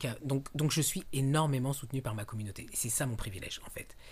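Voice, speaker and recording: The man's voice is somewhat breathy and shows ordinary pitch variation. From France, Paris suburbs. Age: 40s. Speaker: graphic designer. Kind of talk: casual chat.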